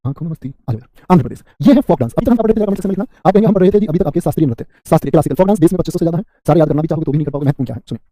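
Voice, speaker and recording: A man's voice: on the high side, dark tone, no echo, studio quality. A man teaching an exam class live online, chatty, rattling off memory tricks and asking the class questions. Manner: fast, chatty, keeps asking "what will you say?". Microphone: close mic, sped-up video.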